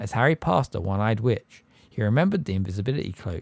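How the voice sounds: This is a natural reading voice, with lively intonation.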